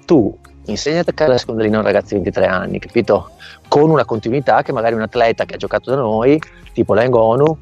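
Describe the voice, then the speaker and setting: Talking fast in a low, somewhat mellow voice with vocal fry, a middle-aged volleyball coach gives an interview over a remote line. His explanations run long, punctuated by frequent checks of "capito?". Faint music sits under the dull, lo-fi call audio.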